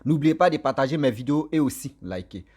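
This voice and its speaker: A man, not a native French speaker, tells a story to his viewers in a lively, repetitive, chatty way. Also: mid-range voice, quick pace. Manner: animated, repetitive, warm direct address to viewers. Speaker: storyteller vlogger. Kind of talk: casual spoken storytelling.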